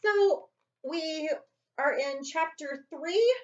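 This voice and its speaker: A woman's voice: high voice, very slow, muffled recording. A woman reading a children's chapter book aloud as a librarian would to students, expressively and with dramatic emphasis.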